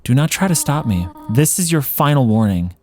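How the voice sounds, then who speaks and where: A man voicing a gentle, doting motherly woman monster from a video game, with a hesitant, fussing, tender manner. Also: mid-range voice, big pitch swings, normal speed, close to an everyday voice. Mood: grave, stern. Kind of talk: video game character read-along.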